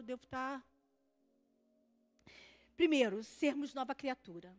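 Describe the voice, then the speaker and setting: A woman preaching an evangelical sermon. She moves from soft, reflective storytelling to loud, shouted praise. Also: a little high. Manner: acts out other people's voices in quotes.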